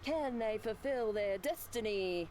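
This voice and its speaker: A woman's voice: a little high, animated, unhurried, a little mellow, a little hiss or hum. A woman acting a dramatic, playful narrator of a visual novel game. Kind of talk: theatrical scripted narration.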